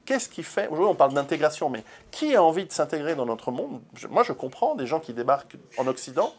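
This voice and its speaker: A man's voice: a little high, big pitch swings, quick pace, slightly rough. A man, an author, answering interview questions in an earnest, forthright way, with many fillers and repeated words.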